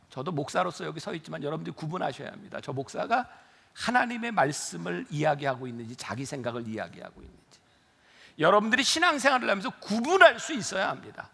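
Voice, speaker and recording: A man's bright, sharp, fairly high voice with vocal fry, very fast delivery, very wide pitch swings and big jumps in loudness. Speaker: pastor. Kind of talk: sermon.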